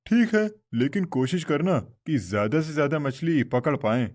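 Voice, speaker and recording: A man's voice: fairly high pitch, big pitch swings, moderate pace, a little mellow. A man voicing a stern older village boss in a cartoon, talking in a bossy, scolding way. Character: stern older male fish-pond boss. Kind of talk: Hindi cartoon voice acting.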